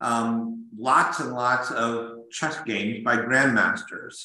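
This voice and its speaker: A man with an American accent speaks at a medium pitch, and the room echo is audible. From US Midwest, Illinois. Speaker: lawyer and lecturer. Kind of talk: webinar lecture. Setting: online webinar. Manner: halting, many fillers and repetitions.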